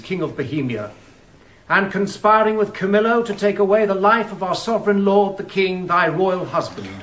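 An actor playing a court officer formally reading out an indictment in a radio drama. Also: male voice, high-pitched, a bit bright, echoey room, slight background noise, low-quality recording. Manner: formal, proclaiming.

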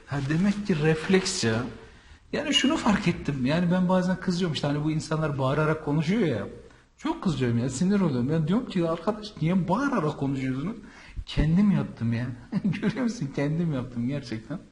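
A man's voice: a little high, expressive, fairly quick, a little mellow. A man working as a visa and travel consultant, talking in a casual, rambling vlog monologue with many fillers from Anatolia.

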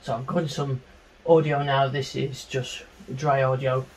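A middle-aged man presents an informal software tutorial from a small home studio. His voice sits at a medium pitch as he explains things in an unscripted way. Some background room noise runs under his speech. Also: flat delivery, a little slow, rough recording. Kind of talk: informal screen-share tutorial.

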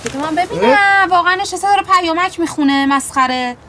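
A woman's voice: a little high, steady tone, noisy background, lightly acted. An actress playing a sarcastic, impatient young female university student.

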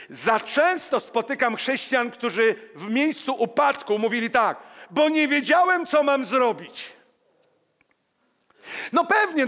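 A man in his sixties, a pastor, preaching a lively sermon with personal stories to a congregation, acting out the quotes as he moves among the pews. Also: extremely high pitch. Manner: animated, walks among the pews, acts out quotes. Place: church hall. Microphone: headset mic. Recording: long church reverb.

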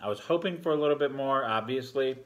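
A man in his forties gives a relaxed, rambling beer review full of fillers, talking at a table in a home bar room. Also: mid-range voice, fast talker. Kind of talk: casual beer review vlog. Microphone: fixed camera at a table.

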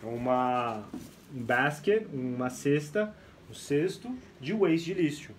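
A young man from Brazil teaching English on a live stream, lively, mixing English phrases into his explanations. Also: medium pitch, takes it slowly, slight background noise.

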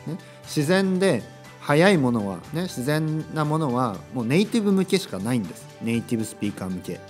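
A man from Kyushu talks through a casual solo podcast, his pitch swinging up and down in an animated, sing-song way. He repeats his points for emphasis and slips into playful acted-out exchanges. Soft music plays faintly behind him. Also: a little fast. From Kyushu, Japan. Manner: chatty, repeats phrases, acts out short dialogues. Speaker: podcast host teaching Japanese.

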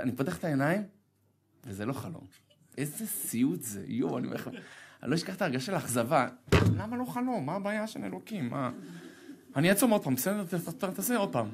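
A rabbi giving a sermon, telling a personal story with humor and acting out the voices of others. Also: male voice, slight background noise. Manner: animated, humorous, self-deprecating storytelling; acts out dialogue with sharp pitch jumps.

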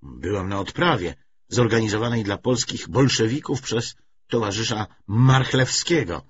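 A man voicing a brisk, wry, self-assured young communist woman in an audiobook novel, talkative with a feigned lightness. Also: lowish voice, lively intonation, highs cut off, a little hiss or hum, lightly acted. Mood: wry, eager.

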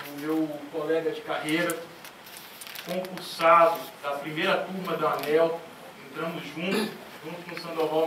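Flat-toned man in a reverberant hall. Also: a little high. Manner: ceremonious, greeting officials one by one. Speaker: agency director, speaker. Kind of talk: formal conference speech. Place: large conference auditorium. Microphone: handheld mic, seated at a panel table. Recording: echoey hall from far off, clear noise.

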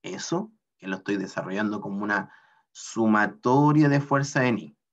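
A man's voice: fairly low pitch, expressive, moderate pace, muffled recording. A man teaching a mechanics class online, working through equations step by step and often checking in with a questioning "ah?".

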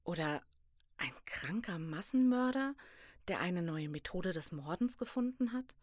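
An actress playing a serious, probing investigator in a German audio drama. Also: female voice, lowish voice, animated, a little slow, a little mellow, dry recording, clean studio sound. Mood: serious, pondering.

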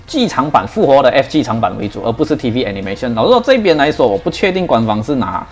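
A man gives a relaxed preview of a mobile game. He keeps restarting his sentences as he thinks aloud, and his pitch swings widely and animatedly at a middle level. Soft music plays quietly in the background. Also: fast. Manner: chatty and excitable, thinking out loud with repeated starts. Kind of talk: casual game preview commentary.

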